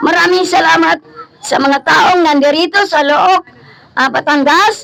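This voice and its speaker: Over noticeable background noise, a woman speaks at an extremely high pitch with very even loudness, ordinary pitch variation and a fairly slow pace. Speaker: street evangelist. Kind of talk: street preaching. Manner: hesitant with fillers.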